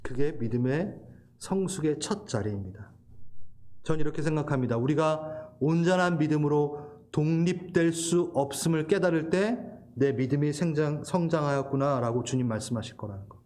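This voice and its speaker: A man's voice: fairly high pitch, animated, normal speed, dark tone. A middle-aged male pastor giving a sermon, laughing and emotional while telling a personal story, then preaching earnestly.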